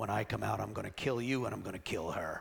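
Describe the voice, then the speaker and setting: A woman's put-on character voice, very deep and low in pitch, at a very fast pace. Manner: menacing.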